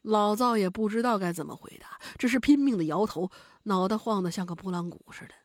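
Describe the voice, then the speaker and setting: A woman's voice: medium pitch, brisk, darkish tone, dry recording, clean studio sound. A woman narrating a spoken story, in a vivid and dramatic way.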